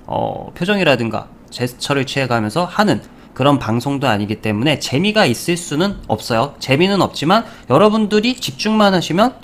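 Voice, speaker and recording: A man's voice: mid-range voice, a bit bright. A man hosting a stock market channel, talking casually over charts, full of fillers, rhetorical questions and little puns.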